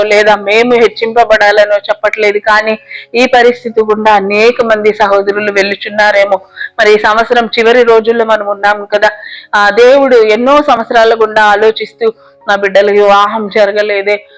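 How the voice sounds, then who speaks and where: A young woman giving an earnest, devout religious testimony in a steady retelling. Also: mid-range voice, poor audio. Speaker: church member giving testimony.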